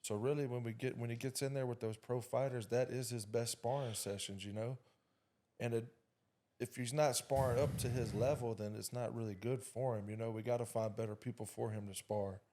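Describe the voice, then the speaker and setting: A man's voice: mid-range voice, steady tone, brisk, dark tone. A man speaking as a guest in a casual podcast interview, easygoing and talking in loose runs. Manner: laid-back, talks in loose runs with "you know" and "man". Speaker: father of a young boxer, guest.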